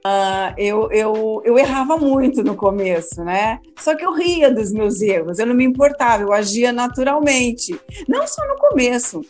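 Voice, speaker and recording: A woman's voice: fairly high pitch, animated, a little slow, hardly any pauses, a little mellow, faint music behind. A woman, a teacher and former radio host, answering interview questions in a casual, hesitant way, often repeating words. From Amazonas, Brazil.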